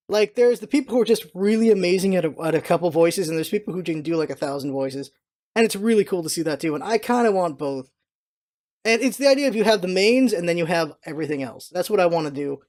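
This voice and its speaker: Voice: medium pitch, a little mellow. A vlog host talking casually and off the cuff, with an informal, opinionated and emphatic manner. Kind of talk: casual rambling solo vlog commentary.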